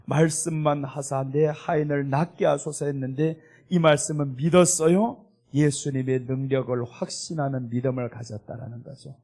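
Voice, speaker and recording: A man preaching a sermon at a Korean church, his voice sitting a little on the high side. He delivers it emphatically and acts out the scripture quotes in small voiced asides as he explains them. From South Korea. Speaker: pastor.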